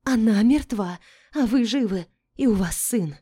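A crafty young maid soothes her mistress in short, curt phrases, as a woman reading a storybook puts her on. She sits a little higher than the narration, with a dark, warm timbre. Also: expressive, unhurried, slightly rough. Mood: soothing. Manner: hushed, curt reassurance.

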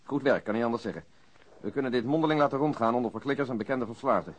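An actor playing a dry, terse, skeptical police detective with a husky voice in a radio crime drama. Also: male voice, medium pitch, very fast, natural voice. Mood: businesslike, resigned. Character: dry, businesslike male police detective on a murder case.

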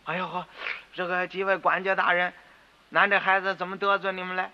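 A male storyteller voicing a humble, anxious old tofu-shop father who placates visitors and scolds his son gently, on a dull radio recording with long reverb. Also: high-pitched, level tone, a little fast. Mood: placating.

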